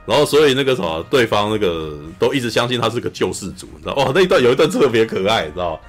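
Husky man, animated film chat. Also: medium pitch, racing. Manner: animated, acts out scenes, says "you know" a lot. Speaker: podcast co-host. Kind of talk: casual film review chat.

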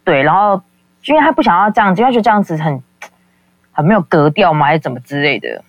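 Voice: medium pitch, big pitch swings, fast talker, no room sound, lo-fi sound. A caller, telling a personal story in a casual, rambling way, full of fillers and acting out the people quoted. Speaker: call-in guest.

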